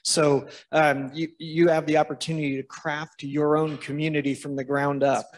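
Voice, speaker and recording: A man's voice: a little high, flat delivery, normal speed. A man, a care home administrator, answering a panel question with fillers.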